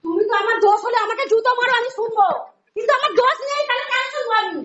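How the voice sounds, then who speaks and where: Very high, rapid, indignant woman. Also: fairly bright tone, reverberant. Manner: indignant, insistent, defensive. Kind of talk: heated domestic argument. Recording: dull call recording.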